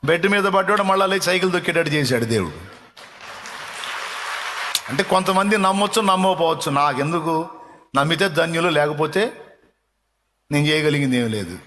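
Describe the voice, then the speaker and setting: A man preaching a sermon as a pastor, with emphatic repetition and slowing down for stress. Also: on the high side, expressive, pushed and bright, long reverb tail, a little hiss or hum.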